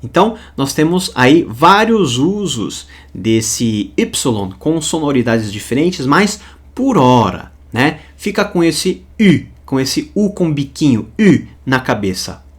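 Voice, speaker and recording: Emphatic Brazilian teacher, lively pitch. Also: male voice. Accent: Brazilian Portuguese. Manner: emphatic, slows down to spell out sounds and examples. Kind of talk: recorded lesson.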